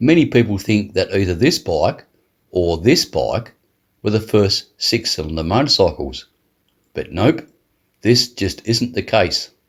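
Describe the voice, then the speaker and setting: A man with an Australian accent at a fairly slow pace, with long, frequent pauses, on a very clean recording with a silent background. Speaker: motorcycle history channel host. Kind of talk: scripted narration.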